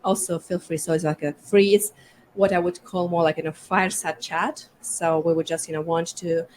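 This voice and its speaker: Wanita dari Ukraina, suara agak rendah. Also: female voice, fairly low pitch, fairly even intonation, moderate pace, a little mellow, a little hiss or hum, low-quality recording. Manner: hesitant, many fillers. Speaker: panel moderator. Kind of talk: conversational panel hosting.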